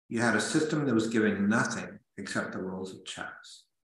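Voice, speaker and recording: Audible room echo surrounds a man's voice. He speaks with an American accent and lively intonation. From US Midwest, Illinois. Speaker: lawyer and lecturer. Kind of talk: webinar lecture. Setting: online webinar. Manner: halting, many fillers and repetitions.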